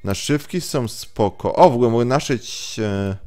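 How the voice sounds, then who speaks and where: A man's voice: mid-range voice, normal speed, a little mellow. A man hosting a let's play with casual, muttering, sweary gameplay commentary, slipping into English at times. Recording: game music behind.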